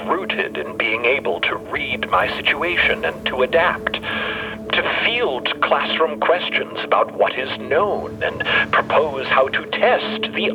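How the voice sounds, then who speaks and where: An actor playing a troubled, brooding scholarly explorer in an artificial undead body, speaking haltingly and theatrically in an audio drama. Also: male voice, mid-range voice, low-quality recording.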